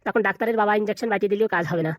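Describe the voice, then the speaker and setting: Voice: mid-range voice, fairly even intonation, very fast, no room sound, lightly acted. A performer voicing a slick, scheming cartoon lawyer. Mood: confident. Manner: slick, confident reassurance. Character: crafty scheming male lawyer. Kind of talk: cartoon comedy dubbing.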